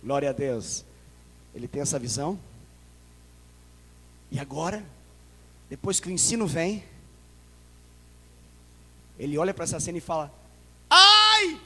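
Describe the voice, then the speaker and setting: A man with a Brazilian Portuguese accent preaching a sermon as a pastor, dramatic and joking with the congregation, breaking into loud cries. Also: a little high, normal speed, pauses often, breathy edge. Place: church sanctuary. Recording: long church hall reverb.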